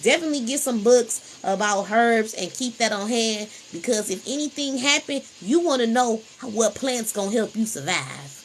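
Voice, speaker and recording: A woman's voice: a little high, lively intonation, moderate pace, few pauses, a little hiss or hum, poor audio. A woman hosting a casual spiritual livestream, talking in a preachy, repetitive, emphatic way into a phone.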